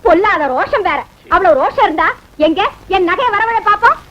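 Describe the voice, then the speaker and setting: A nagging politician's wife, very high shrill voice, muffled old film sound, faint hiss. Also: female voice, expressive, brisk. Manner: nagging, sharp-tongued, wailing. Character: scolding wife of a male politician.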